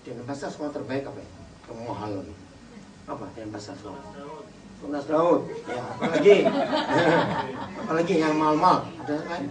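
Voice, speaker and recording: A man preaching a lively sermon to a family gathering, firing questions at the audience and urging them to answer. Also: medium pitch, normal speed, long pauses, distant mic, a crowd in the background. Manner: animated, pushes the audience with repeated questions. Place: indoor hall with an audience. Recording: roomy hall sound, voice off-mic, faint background hiss.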